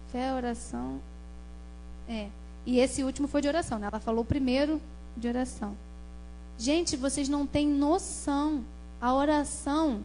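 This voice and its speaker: A woman with a Brazilian accent, fairly slow and full of long, frequent pauses, in audible room echo. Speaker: church worker preaching at youth service. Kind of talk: sermon. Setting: church.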